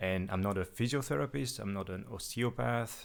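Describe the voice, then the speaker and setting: At a moderate pace, a man with a French accent speaks in a fairly low voice with ordinary pitch variation. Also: very clean recording, silent background. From France. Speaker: massage therapist. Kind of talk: casual podcast interview.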